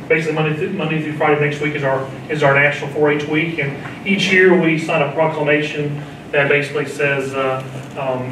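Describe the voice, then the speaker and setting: A man, a county extension agent, giving halting informal remarks at a county meeting with many fillers and restarts. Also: on the high side. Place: county commissioners courtroom. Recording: echoey room, distant mic, noisy.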